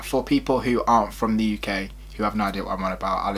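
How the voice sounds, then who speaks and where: There is noticeable background noise throughout. Over it, a man talks. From East Midlands, England. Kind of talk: casual talk to camera. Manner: chatty, upbeat.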